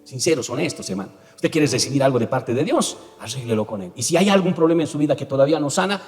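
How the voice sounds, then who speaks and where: A man's voice: medium pitch, expressive, fast talker. A man preaching a sermon as pastor, telling stories emphatically and often checking in with his listeners. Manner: emphatic storytelling preacher with frequent tag questions. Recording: echoey hall with faint music.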